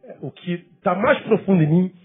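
A man's voice: high voice, normal speed, slightly rough, narrow, tinny audio, soft background music. A male pastor giving a conversational sermon full of rhetorical questions.

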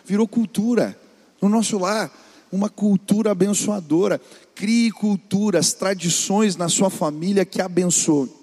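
High-voiced man preaching in a reverberant hall. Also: unhurried, darkish tone. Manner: earnest, exhorting the listener directly. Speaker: pastor. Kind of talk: preaching on family life.

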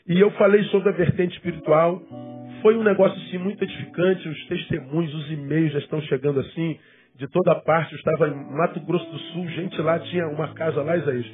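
A fifty-year-old Brazilian pastor with a Rio de Janeiro accent preaches to his congregation in a conversational, teaching style, repeating words for emphasis. His male voice sits on the high side. The sound is thin and phone-like, with guitar music playing behind him.

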